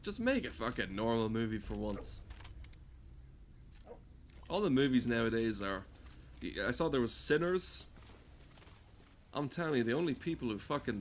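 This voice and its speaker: A man's voice: medium pitch, slight background noise. A man giving casual, rambling gameplay commentary in a sardonic, exasperated and sweary way. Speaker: game streamer.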